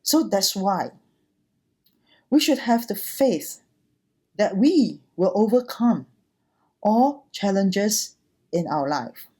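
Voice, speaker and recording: Buddhist nun giving a talk, relaxed mellow voice, takes her time between short phrases. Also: mid-range voice, slightly rough. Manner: deliberate, short phrases with pauses, earnest. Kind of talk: sermon, gentle teaching talk.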